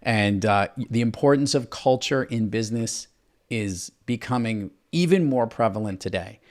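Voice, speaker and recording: A man's voice: medium pitch, normal speed. A man hosting a podcast interview, upbeat and emphatic, with playful asides. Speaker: podcast host.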